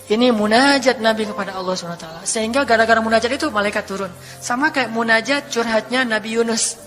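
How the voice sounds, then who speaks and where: A male preacher telling sermon stories in a loose, animated, everyday way, his voice sitting fairly high. The sound rings with a long hall reverb, and faint music plays behind him. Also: fast. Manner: casual, animated and colloquial, acting out quotes. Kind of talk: sermon storytelling.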